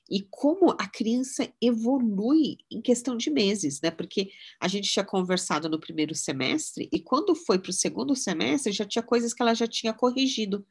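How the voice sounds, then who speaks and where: A middle-aged woman, a mind-mapping instructor, giving a casual teaching talk with personal anecdotes in a chatty, relaxed way. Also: medium pitch, husky. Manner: chatty, relaxed, often adds "né?" tags.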